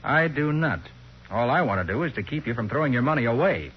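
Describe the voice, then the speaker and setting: An actor playing a level-headed, easygoing private detective, blunt and assured, in 1940s radio style. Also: male voice, mid-range voice, animated, quick pace, breathy edge. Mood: skeptical. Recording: muffled old radio recording.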